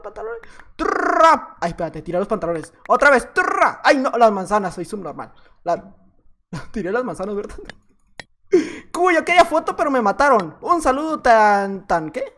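A man's voice: very high voice, fairly bright tone. A man with a Mexican accent giving playful, joking gameplay commentary as a youtuber, laughing often. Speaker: youtuber gamer.

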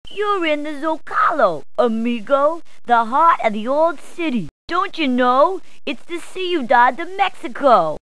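A brash video game policewoman. Her voice is very high and swoops widely as she gives directions. The delivery is playful, punning and emphatic, in a dry, close recording. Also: lively intonation, measured pace, few pauses, a bit bright, no echo, rough recording. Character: brash, jokey New York policewoman giving directions. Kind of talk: scripted video game character clips.

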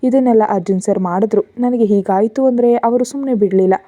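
A woman voicing a gentle, humble young man who speaks softly and respectfully in a storybook reading. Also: a little high, a little fast, no echo, natural voice. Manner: soft, respectful, apologetic.

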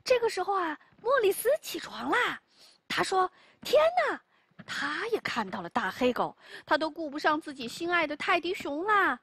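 A woman telling a story to children in an animated, exclamatory way. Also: sits high, moderate pace, few pauses, dry recording.

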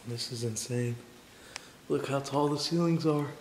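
A man's voice: medium pitch, a little slow. Young man exploring an echoey empty house. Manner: excited, awed and jumpy, calling out and whispering. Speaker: urban explorer. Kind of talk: exploration vlog narration. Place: large empty abandoned house, indoors. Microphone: handheld camera mic. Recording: echoey empty rooms with faint hiss.

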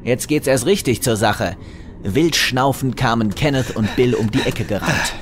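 A man's voice: medium pitch, moderate pace, background noise. A man narrating a scripted comic story in a wry, tongue-in-cheek manner.

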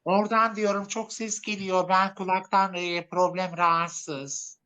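Slow, bright-voiced woman speaking in fragments. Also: fairly low pitch, steady tone. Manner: halting, fragmented, simplified foreigner-like speech. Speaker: live-stream host. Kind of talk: casual chat with guests.

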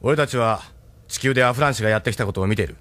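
An actor playing a blunt, friendly ship captain in a radio drama. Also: male voice, fairly low pitch, a bit bright, no room sound, lightly acted. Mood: hearty. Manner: brisk, blunt, casual.

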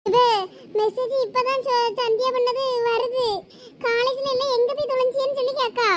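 A woman's voice: very high voice, fairly even intonation, fast, fairly bright tone, a little hiss or hum. A young woman playing a frightened college student caught lying to her father, anxious and pleading. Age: young adult. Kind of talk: village comedy skit acting.

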